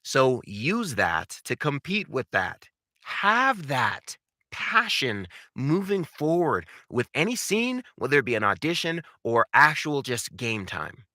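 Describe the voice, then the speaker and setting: A man's voice: medium pitch, very animated, slow pace, bright, forceful tone, no echo, studio quality. A man giving an instructional talk as a voice acting coach, emphatic and theatrical, repeating key words, with informal conversational asides. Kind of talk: instructional talk with numbered tips.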